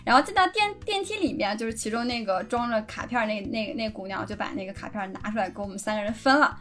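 A young woman podcast host telling a story in a casual chat, animated and laughing often. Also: fairly high pitch, fast talker, soft background music.

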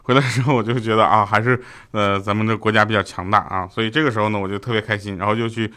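A man's voice: fairly low pitch, quick pace. A man from China, hosting a comedy show in a joking monologue and acting out the quoted lines. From Heilongjiang, China. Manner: lively storytelling, acts out quoted lines.

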